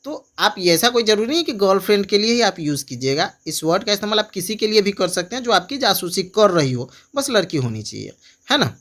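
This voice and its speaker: A man tutoring English in a casual online class, slowing down to repeat example phrases and keep coaxing viewers to answer. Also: sits high, big pitch swings, fairly bright tone. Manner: repeats example phrases slowly and keeps urging viewers to comment.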